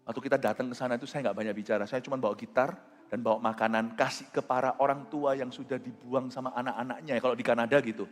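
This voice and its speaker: A male pastor preaching a sermon in an animated, emphatic way, telling stories and slipping in English phrases. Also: mid-range voice, fast talker. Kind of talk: sermon with storytelling. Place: church. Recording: reverberant church hall with faint music.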